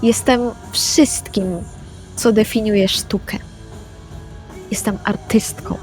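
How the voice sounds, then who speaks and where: A woman's voice: mid-range voice, steady tone, slow, a little mellow, faint music behind, lightly acted, rough recording. Woman playing a courteous, theatrical vampire artist. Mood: self-assured. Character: polite, self-assured female vampire artist. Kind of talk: improvised tabletop role-play.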